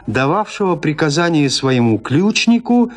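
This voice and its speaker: A man narrating a classic story in a radio play, reading in a measured, expressive literary way. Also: fairly high pitch.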